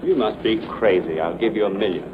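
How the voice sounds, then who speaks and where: A man's voice: on the low side, brisk, natural voice. An actor with an American accent playing a breezy, folksy businessman abroad in an old radio drama. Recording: muffled old radio recording.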